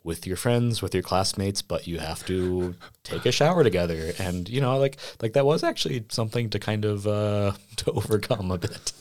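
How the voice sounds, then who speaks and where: Deep-voiced young man, thoughtful and rambling. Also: normal speed, few pauses, a little mellow. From Iceland. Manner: reflective, many fillers like "you know, I mean". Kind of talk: casual conversation.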